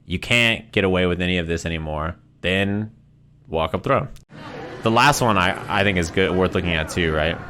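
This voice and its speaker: Low-voiced man commentating, noisy background. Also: normal speed, sharp tone. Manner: conversational, often tags points with "right?". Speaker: streamer and fighting game commentator. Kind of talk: casual live commentary on fighting game footage.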